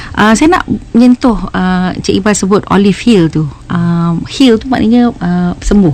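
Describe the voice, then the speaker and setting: Against noticeable background noise, a woman speaks fairly slowly at a medium pitch with lively intonation. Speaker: homemaker and company representative. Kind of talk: radio interview. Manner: hesitant, many fillers.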